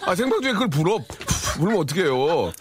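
A man's voice: high-pitched, crowd noise, background noise. A man hosting a live broadcast, joking and teasing guests in a bantering way. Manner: teasing, joking, fast and animated. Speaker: live show host.

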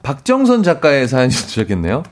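A man in his thirties co-hosting a radio show in casual banter, playful and quick to mimic others. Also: mid-range voice, wildly swooping pitch. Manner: playful, mimics people in bursts. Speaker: radio co-host.

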